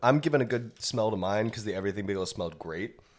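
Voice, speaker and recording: A man speaks in a plain, everyday voice with an American accent. His pace is fairly quick and his pitch variation is ordinary. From California. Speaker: podcast co-host. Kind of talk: casual chat.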